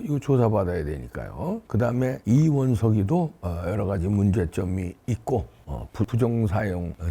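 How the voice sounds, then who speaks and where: A middle-aged man delivers political commentary on his own show with a gravelly, husky voice. He scolds and jabs as he goes, and his pitch leaps up and drops low again and again. He sounds lively and indignant throughout. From South Korea. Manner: animated, scolding, wide pitch swings.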